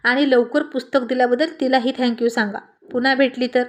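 A woman reading the lines of a calm, self-controlled young male student, measured and restrained. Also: sits high, close to an everyday voice.

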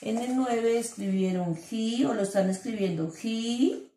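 Woman teacher, patient and slow, sounding out syllables for small children, echoey room. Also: fairly high pitch, mellow, slight background noise. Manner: slow, syllable-by-syllable dictation with endearments. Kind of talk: online class for young children.

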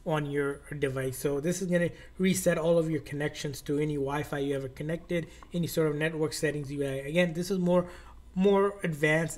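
A man with a slightly higher-than-average voice hosts a how-to tutorial. He explains things step by step in an informal, instructional manner. He tends to circle back and repeat his phrasing as he goes. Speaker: tech tutorial host.

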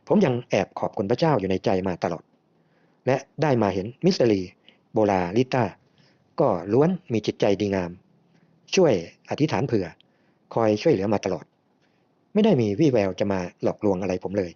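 A man tells his own story in the first person, calm and earnest throughout. His tone is mellow and warm, and the recording has a slightly dull, lo-fi quality. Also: medium pitch, normal speed, long pauses.

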